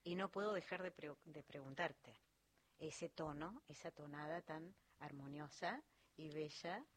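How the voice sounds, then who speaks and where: A woman's voice: low voice, measured pace. Chatty Argentine woman interviewer. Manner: chatty, lively questioning, reads from notes. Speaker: host.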